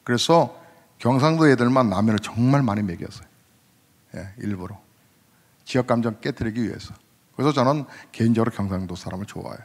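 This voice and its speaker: In a church sanctuary with long hall reverb, a senior pastor in his fifties preaches in a storytelling, conversational way. His voice is slightly rough, a little fast, and lively in intonation, lifting in pitch at emotional points as he questions the congregation.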